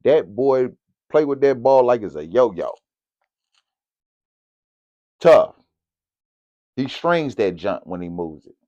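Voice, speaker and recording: A man giving casual, slangy basketball commentary as a vlogger, in an animated, direct way. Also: mid-range voice, slow, pauses often, dry recording. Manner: animated, slangy, talks straight to camera. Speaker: sports vlogger. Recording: dull, lo-fi, dry recording.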